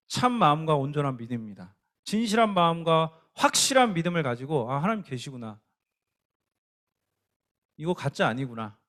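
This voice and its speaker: A man's voice: high-pitched, a bit bright. A man preaching a youth sermon, earnest and emphatic, often asking the listeners questions. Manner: earnest, emphatic, speaking directly to teens with questions. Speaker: youth pastor.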